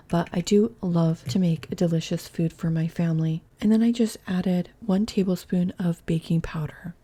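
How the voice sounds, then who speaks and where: In a fairly low, warm voice, a woman walks viewers through her home cooking vlog step by step. She's in her kitchen, keeping it casual and musing aloud as she goes.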